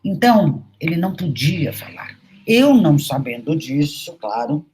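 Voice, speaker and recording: A woman's voice: low-pitched, very animated, a little slow, mellow, low-quality recording. A middle-aged woman, a university professor, giving a recorded lecture in an anecdotal, storytelling way with frequent conversational tags.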